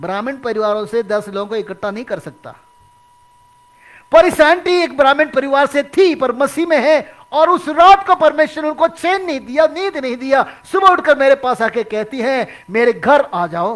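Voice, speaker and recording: Lively in intonation, a man with a South Indian accent speaks at an extremely high pitch. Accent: South Indian accent in Hindi. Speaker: pastor. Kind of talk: sermon. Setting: church.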